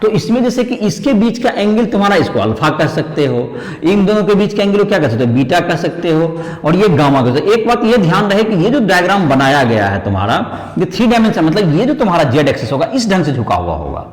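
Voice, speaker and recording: A man's voice: high voice, very animated, brisk, a little mellow. A man teaching a chemistry lesson, mixing Hindi and English and quizzing students with repeated rhetorical questions. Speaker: chemistry tutor. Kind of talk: classroom lecture. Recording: echoey room with long reverb.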